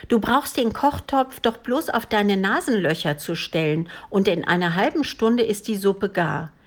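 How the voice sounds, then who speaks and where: A woman voicing a brave, chatty little girl who scolds a dragon in a high, eager voice, slow and careful in a storybook reading. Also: lively intonation.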